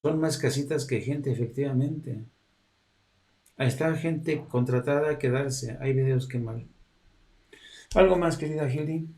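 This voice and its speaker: A man's voice: medium pitch, measured pace, pauses often, dark tone, echoey room, a little hiss or hum. A man hosting a live show, talking casually and rambling with many fillers. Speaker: host.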